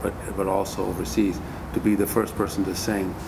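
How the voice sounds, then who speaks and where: A man from Pakistan answering interview questions earnestly, halting often with fillers and repeated words. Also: low voice, level tone, gravelly, noisy background. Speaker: guest musician.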